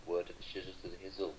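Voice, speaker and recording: A man's voice: low voice, a little mellow, a little hiss or hum, low-quality recording. A British man chatting on a call, teasing his friend with dry banter. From Britain. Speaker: co-commentator on a call. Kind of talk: casual chat.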